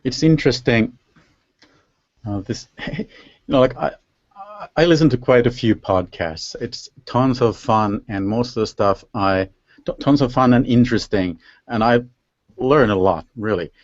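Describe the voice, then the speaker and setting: A man's voice: medium pitch, measured pace, no room sound. A man from Finland, a native Finnish speaker with a Finnish accent, hosting a casual interview and often searching for words. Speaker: interview host. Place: live video call. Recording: dull lo-fi online call audio.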